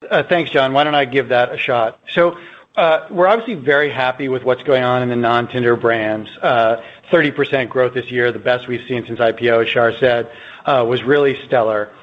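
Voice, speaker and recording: Muffled conference-call audio, man, mid pitch, company executive, measured explanatory delivery. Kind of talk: spoken earnings call answer.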